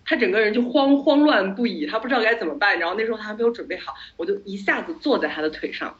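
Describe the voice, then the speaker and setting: Woman podcaster chatting away, tells stories with lots of energy, sprinkles in english words, mid pitch, kinda dull audio. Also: racing. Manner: animated storytelling, mixes in English words. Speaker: podcast host. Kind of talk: casual chat.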